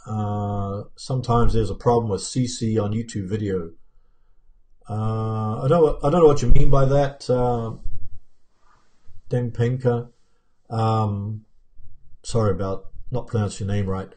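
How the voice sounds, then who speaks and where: A man's voice: fairly low pitch, steady tone, unhurried, long pauses, warm tone. A man in his fifties with a New Zealand accent worn down by years in America, hosting a casual live-stream Q&A from a home office and answering viewer comments with many fillers and restarts. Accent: New Zealand, softened by years in America. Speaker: YouTube channel host answering live chat. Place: home office room with plants and pictures, indoors. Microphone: webcam framing at desk.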